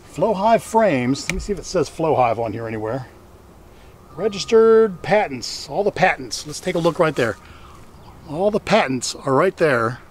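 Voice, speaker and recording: A middle-aged man casually narrating as he works outdoors, in a folksy way, as if chatting to himself. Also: high-pitched. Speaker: beekeeper and vlog host. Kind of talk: casual narration while working at a hive. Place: outdoors in a wooded yard. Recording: outdoor audio with clear background noise. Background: outdoor ambience, buzzing insects.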